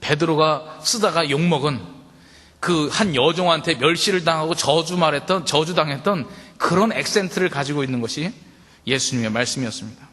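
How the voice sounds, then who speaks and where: A male pastor delivers a sermon in a talking-to-you style, putting question after question to the congregation. His voice sits a little high for a man. Long reverb trails off his words in a large hall. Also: brisk, a bit bright. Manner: conversational preaching, addresses the congregation directly with rhetorical questions.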